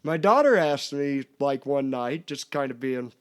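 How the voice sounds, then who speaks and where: A man's voice: mid-range voice, expressive. A man in his thirties hosting a podcast, telling long rambling stories and laughing at himself. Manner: rambling storyteller, self-mocking, quick to laugh. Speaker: podcast host. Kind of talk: casual chat.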